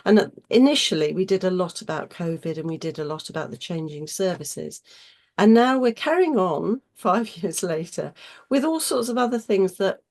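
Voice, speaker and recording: A woman chairing an online session in a chatty, effusive way, her voice husky from a cold. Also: fairly low pitch, lively intonation, normal speed, darkish tone. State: getting over a cold. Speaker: host chairing an online webinar. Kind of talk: informal presenter's welcome and introductions.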